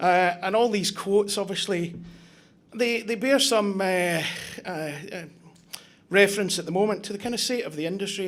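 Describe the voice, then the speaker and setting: In a Glaswegian accent, the speaker talks at a moderate pace with ordinary pitch variation and audible room echo. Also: man. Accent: Glaswegian Scottish. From Scotland, Glasgow. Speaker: timber manufacturer executive. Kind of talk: conference presentation. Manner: halting, many fillers.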